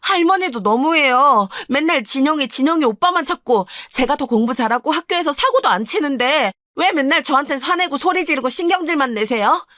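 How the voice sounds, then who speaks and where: A woman's voice: high-pitched, expressive, a little fast, few pauses, pushed and bright, no room sound, clean studio sound. A woman voicing a resentful teenage girl who complains in a pleading, aggrieved way in a radio story drama.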